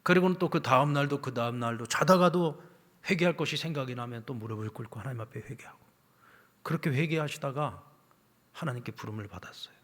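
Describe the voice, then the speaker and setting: A man preaching a sermon as pastor, telling a story and swinging between hushed whispers and loud, emphatic lines. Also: medium pitch, quick pace. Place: church sanctuary. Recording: long church reverb.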